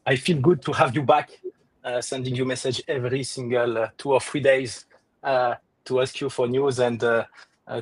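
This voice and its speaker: A man's voice: medium pitch, husky, dry recording. A man from France with a strong French accent, speaking as a guest in a casual online audio chat and filling his talk with many hesitant "uh"s. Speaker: crypto project lead and guest.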